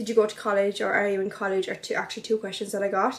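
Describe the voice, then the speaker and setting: Over noticeable background noise, a woman talks very fast with monotone, flat intonation. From Ireland, Limerick. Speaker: beauty vlogger. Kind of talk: casual chat while doing makeup.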